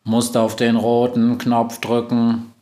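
A man voicing a cheeky, mischievous talking machine that speaks slowly and smugly. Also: medium pitch, monotone, warm tone, natural voice. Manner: slow, smug, teasing.

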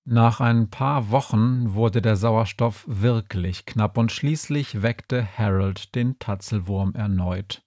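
A man reading a humorous story aloud with a lively, dry-humored delivery. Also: on the low side, slow pace, hardly any pauses, dry recording.

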